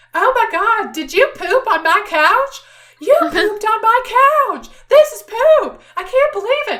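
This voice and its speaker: A woman does a put-on, squeaky character voice, pitched extremely high and delivered fairly slowly. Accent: Southern. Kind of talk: shocked, exclaiming. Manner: loud, projected.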